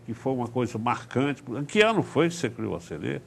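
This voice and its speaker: A man's voice: medium pitch, expressive, a little fast, creaky, slightly rough. A man hosting a conversational interview, attentively agreeing as he goes. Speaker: TV interview host.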